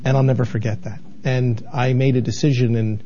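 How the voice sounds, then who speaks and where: A man's voice: medium pitch, level tone, a little fast, dark tone, dull audio, a little hiss or hum. Earnest man in his sixties, rambling. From New England, United States. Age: 60s. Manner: earnest, rambling, with many restarts and fillers. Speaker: television station manager, guest. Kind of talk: candid interview conversation.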